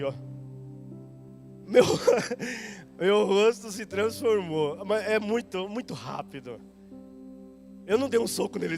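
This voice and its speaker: High-voiced Brazilian preacher telling a story. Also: male voice. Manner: animated, conversational, addressing the congregation directly. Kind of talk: storytelling sermon. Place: church hall.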